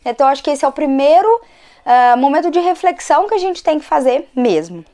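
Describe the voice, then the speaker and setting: A hoarse woman, fighting a cold, giving a conversational educational talk to her channel as an occupational therapist. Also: sits high, animated, fast, warm tone. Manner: conversational, frequent tag questions.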